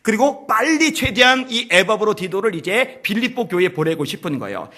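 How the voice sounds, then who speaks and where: A male pastor giving a sermon to his congregation, telling a story with rhetorical questions and swinging between hushed and loud, emphatic passages. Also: sits high, big pitch swings, brisk. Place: church service.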